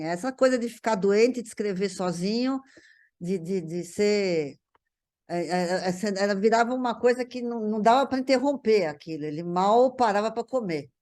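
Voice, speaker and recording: A woman's voice: medium pitch, a little mellow. A middle-aged Brazilian woman recalling memories in casual conversation, often repeating words as she searches for phrasing. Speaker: guest recalling a writer relative.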